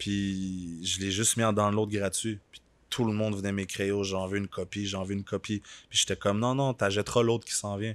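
Recorded dry with no echo, a man with a fairly low pitch talks at a moderate pace in a monotone, flat intonation. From Quebec, Longueuil (South Shore of Montreal); Quebec, Canada. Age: 20s. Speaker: rapper; guest. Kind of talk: casual interview. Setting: studio. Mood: laid-back, casual. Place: studio. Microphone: studio mic.

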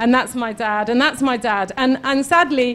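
A woman's fairly high voice moves at a moderate pace with an ordinary amount of pitch variation. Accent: London. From London. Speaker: graphic designer; guest. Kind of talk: conference talk. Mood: warm, anecdotal. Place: hall. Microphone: handheld.

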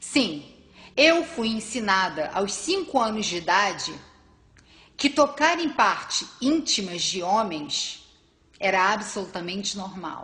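With a Brazilian accent, a woman speaks at a fairly high pitch. Her pace is very slow, and her pitch swings very widely. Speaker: vlogger sharing her testimony. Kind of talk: furious angry rant, scornful and accusatory, cursing at the audience. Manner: indignant, forceful, sharp and biting, defiant; emphatic, repeating phrases for punch.

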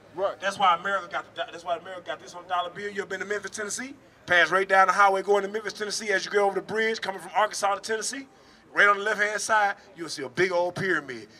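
Over faint music in the background, a man is shouting at a very fast pace in a raised, projected voice pitched high. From Jackson, Mississippi; Mississippi. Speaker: street preacher. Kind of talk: street preaching. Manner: loud, yelling. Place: street. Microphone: handheld.

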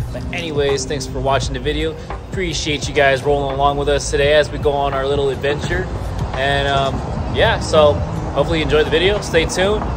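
A man speaks at a very fast pace. Clear music can be heard in the background. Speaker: car vlogger. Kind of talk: casual vlog chat. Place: street. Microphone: phone near.

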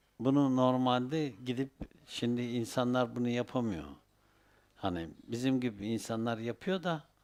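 An unremarkable speaking voice from a man, medium in pitch, at a fairly slow pace with ordinary pitch variation. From Western Turkey (İzmir, Bayındır). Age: 60s. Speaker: Sufi religious teacher. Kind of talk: casual advice answering a question; religious talk.

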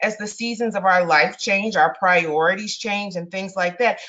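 In an enthusiastic, energetic tone, a woman speaks at a moderate pace. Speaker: career development speaker at webinar. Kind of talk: motivational, conversational. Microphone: webcam.

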